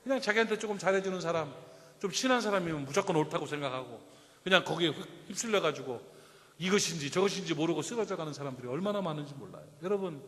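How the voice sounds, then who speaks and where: A man's voice: on the high side, expressive, fast talker, a bit bright. A man preaching a Sunday sermon, telling a story and asking his congregation direct questions. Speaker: pastor. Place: church sanctuary. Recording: reverberant church hall.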